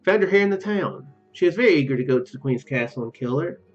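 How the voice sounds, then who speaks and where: A man's voice: fairly high pitch, expressive, fast talker, dull audio, faint music behind, close to an everyday voice. A man voicing a shy, kind young female mage from a visual novel, speaking hesitantly and earnestly.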